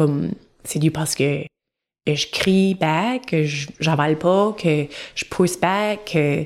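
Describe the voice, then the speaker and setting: A woman's very deep, low voice at a very slow pace, with long, frequent pauses. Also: ordinary pitch variation. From New Brunswick, Acadian (Dieppe/Moncton area). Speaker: therapist. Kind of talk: casual interview conversation.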